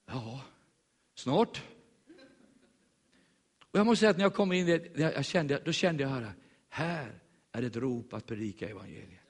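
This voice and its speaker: A man preaching, telling a lively story and acting out the voices of the people in it. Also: mid-range voice, pauses often, long reverb tail. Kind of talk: sermon storytelling.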